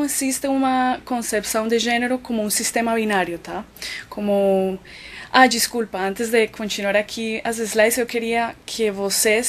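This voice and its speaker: A woman from Colombia, a physician and researcher with a Colombian Spanish accent, giving an academic web lecture with frequent filler words. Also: medium pitch. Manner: thoughtful, many "então" and "é" fillers while explaining.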